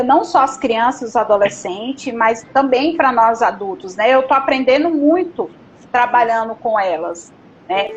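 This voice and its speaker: A woman's voice: a little high, slight background noise, poor audio. A woman guest, an educational psychologist, chatting casually and telling stories from her school work. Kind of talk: casual chat.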